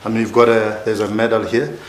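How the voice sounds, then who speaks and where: A man's voice: fairly low pitch, level tone, a little fast, a crowd in the background, poor audio. A man hosting a casual interview talk show.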